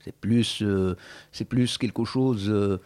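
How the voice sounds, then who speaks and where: A man's voice: lowish voice, slow, a little mellow. A man in his forties from Morocco, a writer and guest in a radio interview, talking thoughtfully with many hesitations and restarts.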